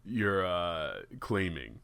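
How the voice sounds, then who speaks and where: A man's voice: deep voice, very animated, very slow, vocal fry, fairly bright tone, clear, resonant tone, no echo. A man co-hosting a podcast who argues back in a casual, profane way and calls his partner "dude". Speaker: podcast co-host.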